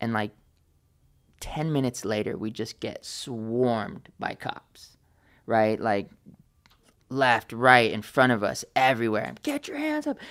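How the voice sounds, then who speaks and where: Long, frequent pauses run through the speech of a man with a medium pitch. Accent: American. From California. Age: 30s. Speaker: podcast host and real estate agent, here interviewed as guest. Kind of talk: interview, telling life story. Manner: animated.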